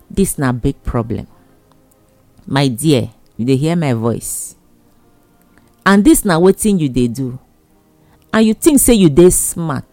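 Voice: medium pitch, darkish tone, no room sound. A speaker with a Nigerian accent giving admonishing advice in Nigerian Pidgin, in an emphatic, repetitive, exhorting way.

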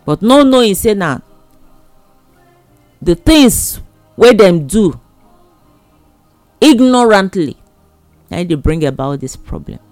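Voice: mid-range voice, very animated, slow pace, pauses often, darkish tone, no echo, faint music behind. A speaker with a Nigerian accent giving admonishing advice in Nigerian Pidgin, in an emphatic, repetitive, exhorting way.

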